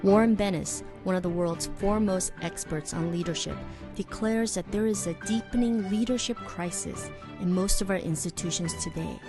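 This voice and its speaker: A woman giving scripted, formal narration for a promotional video. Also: fairly low pitch. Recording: voice-over with music.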